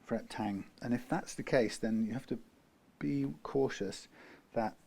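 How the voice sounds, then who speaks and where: Mid-range, a little mellow and creaky, the man's voice keeps a measured pace. A Brit narrating a guitar repair in his workshop, he rambles, fixes his own slips and adds dry comments along the way.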